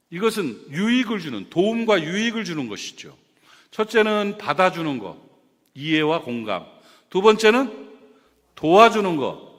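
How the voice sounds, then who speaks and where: Lively high-voiced Korean pastor preaching. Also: male voice. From South Korea. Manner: animated, questioning the congregation. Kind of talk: sermon. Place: church sanctuary. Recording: reverberant church hall.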